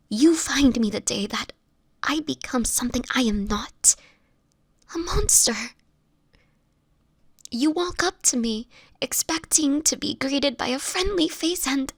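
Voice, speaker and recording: A woman playing a sickly, gentle, anguished vampire in an intimate audio roleplay, speaking in a breathy, often whispered voice with tender, halting, formal phrasing. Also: high voice, no echo, studio quality, heavily acted. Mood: anguished, dreading. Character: sickly homeless young female vampire, gentle, anguished, self-sacrificing.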